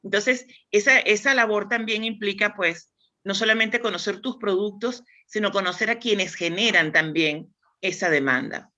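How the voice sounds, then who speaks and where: A bright, forceful mid-range voice at a moderate pace belongs to a Spanish woman with a Spanish accent. As a guest in a conversational interview, she works through demand planning thoughtfully, frequently restarting.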